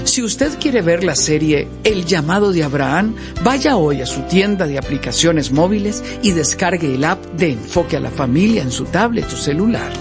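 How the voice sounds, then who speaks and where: A man presenting a Christian family program, telling a testimony with earnest, animated storytelling and direct asides to the listener. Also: fairly high pitch, normal speed, over music.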